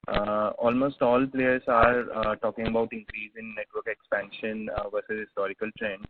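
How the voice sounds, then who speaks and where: A man's voice: on the low side, little pitch movement, moderate pace. A man, heard over the phone, hesitantly asks questions as an analyst on an earnings call, with many fillers. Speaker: analyst caller. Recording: tinny phone line with loud hiss.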